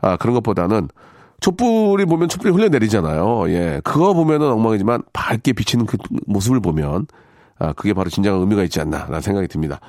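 A man's voice: lowish voice, big pitch swings, fast, a little mellow, no echo, studio quality. A man hosting a radio show, reading out listener messages and commenting on them in a polite, conversational, rambling way. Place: radio studio.

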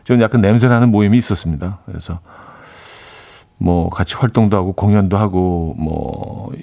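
A man's voice: sits low, normal speed, gravelly. Laid-back rambling male radio DJ. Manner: relaxed, rambling, many fillers. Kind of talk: casual radio chat reading listener messages.

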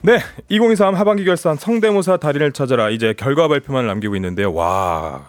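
A man co-hosting a radio contest, presenting and bantering with excitable exclamations. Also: medium pitch, quick pace, no echo, studio quality. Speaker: radio show co-host. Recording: music behind the voice. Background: music.

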